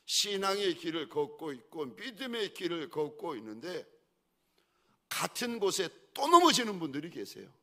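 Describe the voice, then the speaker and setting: Impassioned Korean pastor, very lively pitch. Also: male voice, moderate pace. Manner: swings between hushed pleading and loud exhortation; repetitive, rhetorical questions to the congregation. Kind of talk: sermon.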